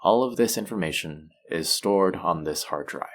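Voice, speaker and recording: A man playing a suave, manipulative supervillain in an intimate audio roleplay, measured and teasing, softly menacing yet tender toward his captive. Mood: scornful, earnest. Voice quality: low, creaky voice.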